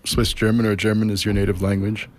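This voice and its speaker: A man hosting an interview, asking measured, thoughtful questions. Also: on the low side, little pitch movement, darkish tone. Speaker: interviewer host. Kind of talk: radio interview.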